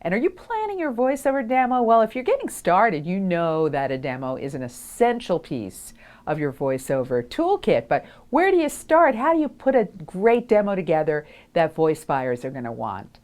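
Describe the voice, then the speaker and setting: A woman with a slightly low voice coaches the listener in an instructional talk. Her intonation is very lively, moving widely up and down, and she enunciates carefully, stressing key phrases. She is speaking outdoors. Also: moderate pace. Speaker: host and voice-over coach. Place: outdoors on a windy day.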